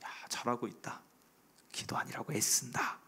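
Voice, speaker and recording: A man whispering as a gentle, praising God. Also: moderate pace, natural voice. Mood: gentle praise. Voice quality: soft near-whisper. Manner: tender, short praising phrases. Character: gentle, approving voice of God, male. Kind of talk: whispered role-play.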